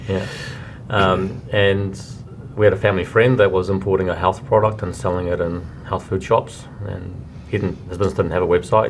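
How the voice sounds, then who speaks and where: Over noticeable background noise, a man with a very deep, low voice speaks at a fairly quick pace with fairly even intonation. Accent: New Zealand. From New Zealand, Whangarei. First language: Japanese. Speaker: entrepreneur. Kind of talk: interview.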